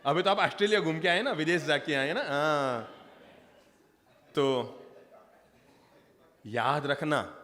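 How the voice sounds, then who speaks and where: Preaching in a long, reverberant hall, this Rajasthani Jain monk has a fairly bright voice on the high side with lively intonation. He speaks unhurriedly, pausing often, and keeps the sermon light by joking with listeners and questioning them.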